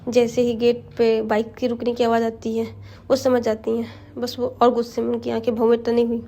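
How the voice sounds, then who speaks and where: Brief: woman storyteller, high mellow voice, chatty narration with asides. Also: completely flat delivery, brisk, creaky, muffled recording.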